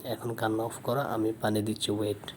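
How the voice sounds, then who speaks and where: A man's voice: lowish voice, little pitch movement, fast, a little hiss or hum, close to an everyday voice. A man voicing a doting, romantic young husband in a storybook audio drama. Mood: soothing. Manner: soothing, affectionate.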